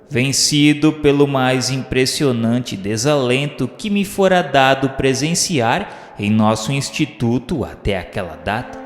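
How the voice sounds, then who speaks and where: A man with a Brazilian accent narrating a radio novel in a solemn, literary, theatrical way. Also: medium pitch. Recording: echoey, long reverb, music underneath.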